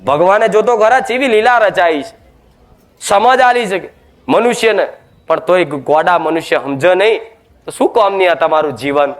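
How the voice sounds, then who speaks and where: A man's voice: high voice, animated, moderate pace. A man preaching a devotional sermon, emphatic and scolding, full of rhetorical questions.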